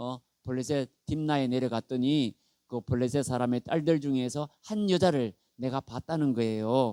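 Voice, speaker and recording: This man has a dark, mellow tone and ordinary pitch variation, talking at a moderate pace in a dry, close sound with no echo. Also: medium pitch for a man. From Gyeongsang region, South Korea. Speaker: pastor. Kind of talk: sermon.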